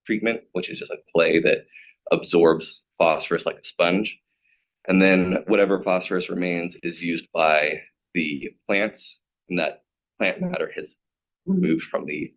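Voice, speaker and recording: A man with a raspy voice giving a formal staff presentation as a program manager. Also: sits low. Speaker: city stormwater program manager. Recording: dull, band-limited meeting audio.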